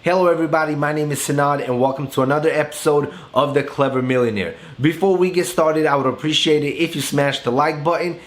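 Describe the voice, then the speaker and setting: A young man from Bosnia hosting a finance channel, talking straight to the camera in an earnest, motivational monologue that slows down to stress key points. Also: fairly high pitch. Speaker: finance YouTube host.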